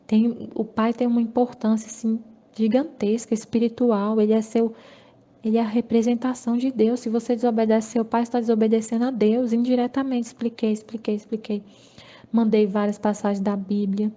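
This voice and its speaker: A woman's voice: a little high, flat delivery, fairly quick, mellow. A woman with a Brazilian Portuguese accent giving an earnest, repetitive personal testimony on a Catholic channel.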